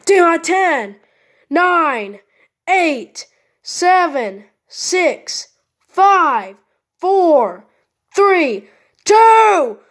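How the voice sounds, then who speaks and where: Woman acting a loud, high, urgent attack-warning announcer. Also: very animated, very slow, pauses often, heavily acted. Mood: urgent alarm. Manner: loud, insistent, repetitive.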